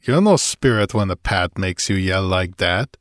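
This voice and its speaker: A man narrator acts out a gruff giant of a barbarian in a fantasy audiobook. He growls and snarls in blunt sentences, with grim humor underneath. The sound is dry and close. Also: sits low, lively intonation, a little slow, no room sound.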